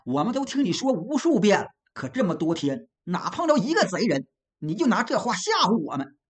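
A woman's voice: mid-range voice, very animated, brisk, breathy edge. A woman voicing two whining male attendants who tattle and complain. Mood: whiny.

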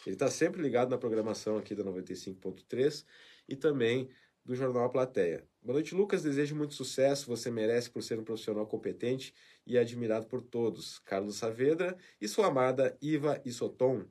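A male host talks through viewer comments on a live stream. His voice sits at an ordinary middle pitch and has a soft, emotional tone, and he keeps dropping in little tag questions. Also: expressive, fairly quick. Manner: emotional, warm farewell talk with frequent "né?".

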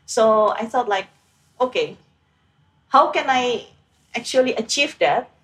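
A young woman from Indonesia talks through her studies in a casual conversation. She speaks hesitantly, pausing on fillers and restarting sentences as she goes. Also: a little high, expressive, a bit bright. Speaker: interviewee, PhD graduate.

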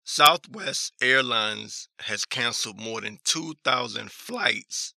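A man with a hoarse voice giving casual news commentary as a talk show host, halting and repeating himself in a skeptical manner as he reads articles aloud. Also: medium pitch, animated, bright, forceful tone, no room sound.

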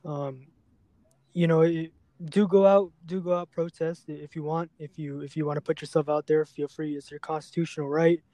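A man hosting a serious podcast conversation, speaking earnestly and haltingly, often repeating words as he goes. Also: a little high, flat delivery, dark tone, no echo. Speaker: podcast host.

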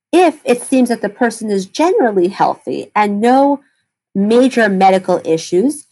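A woman's voice: medium pitch, a little mellow, low-quality recording. A woman gastroenterologist answering interview questions, explaining in detail with frequent fillers and restarts.

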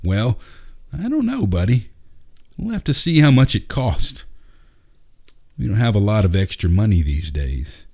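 A man voicing a hesitant, kindly father who talks gently and haltingly to his son in a storybook reading. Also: fairly low pitch, sing-song, vocal fry, heavily acted. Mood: bewildered, hesitant.

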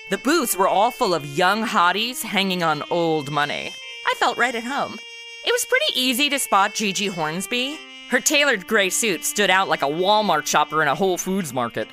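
A woman acting as a sassy, flippant American twenty-something in a comedic audio drama, with sarcastic, slangy delivery. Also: fairly low pitch. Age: young adult. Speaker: lead actor and narrator.

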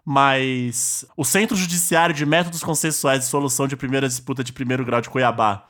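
A man's voice: medium pitch, fairly even intonation, a bit bright. A man co-hosting a casual podcast chat, joking around and stretching his bits out for comic effect. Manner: jokey, drawn-out comic riffing. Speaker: podcast co-host.

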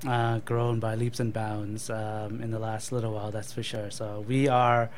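A man's voice: lowish voice, little pitch movement, moderate pace, slight background noise. A man being interviewed as a company guest, thoughtful and hesitant, filling his answers with ums and uhs. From born in Thailand to Cambodian parents, raised in Canada. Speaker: marketing manager and guest.

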